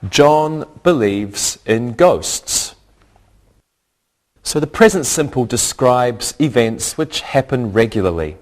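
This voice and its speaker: A man hosting a scripted English lesson, speaking carefully and repeating words for learners. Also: mid-range voice. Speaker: English teacher and host.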